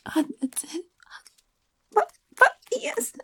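A woman playing a predatory, seductive female creature that drains life, speaking in a breathy, whispered, domineering tone in an erotic audio roleplay. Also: slow, bright, forceful tone.

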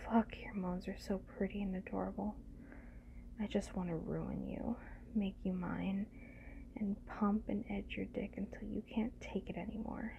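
Woman, whispered role-play, affectionate lover, tender sweet nothings, breathy and creaky, slightly muffled recording with faint hiss. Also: medium pitch, fairly even intonation, normal speed. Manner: murmuring tender sweet nothings, soothing and intimate. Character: gentle, doting, affectionate female lover.

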